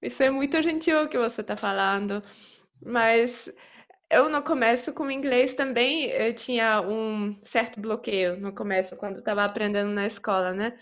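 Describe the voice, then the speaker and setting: Casting: Polish woman, non-native speaker, fairly high voice, hesitant and thoughtful, muffled call. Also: moderate pace. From Poland. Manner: thoughtful, hesitant, many fillers. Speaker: guest, polyglot. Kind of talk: casual video-call interview. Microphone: video call.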